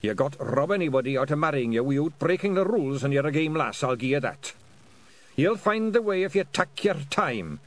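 A man voicing a gruff ninety-six-year-old Scottish piper with a thick Scottish accent, scolding bluntly in an audiobook. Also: on the high side, sing-song, fairly quick, pitched above the performer's own voice. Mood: kindly. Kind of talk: audiobook character voice.

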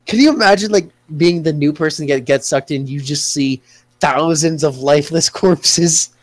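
A young man hosting a casual chat, rambling excitedly and swearing freely. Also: fairly high pitch, normal speed, dry recording.

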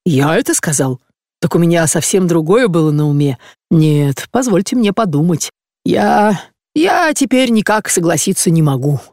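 A man's voice: fairly high pitch, very animated, normal speed, darkish tone, no room sound, studio quality. A reader voicing a fussy, evasive older provincial man who meekly pleads and dodges in an audiobook. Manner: flustered, meek pleading.

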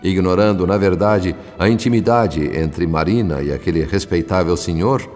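An actor as a grave Brazilian male narrator of a radio drama. His deep voice carries a long reverb over faint music. The delivery is formal, literary and solemn. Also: normal speed, a little mellow, lightly acted.

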